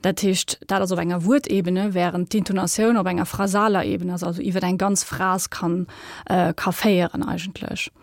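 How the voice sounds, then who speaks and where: A young woman with a Luxembourgish accent, a linguist guest explaining her research in a radio studio, measured and full of fillers. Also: fairly low pitch, flat delivery, dry recording.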